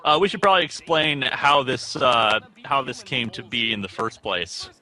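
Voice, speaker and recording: A man chatting casually in a film commentary, wry and quick to laugh, stammering at times. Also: medium pitch, expressive, bright, forceful tone. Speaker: guest reviewer.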